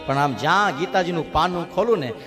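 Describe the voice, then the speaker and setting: A man's voice: fairly high pitch, expressive, a little fast, music in the background, close to an everyday voice. A man playing a humble, unlettered male priest who speaks apologetically and tearfully about his devotion.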